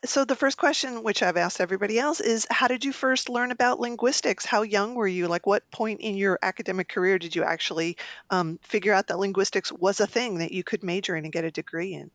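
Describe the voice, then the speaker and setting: A woman speaks as a podcast interviewer in a casual, conversational style. Her voice sits at a medium pitch, recorded very dry with hardly any room sound. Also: a little fast, no room sound.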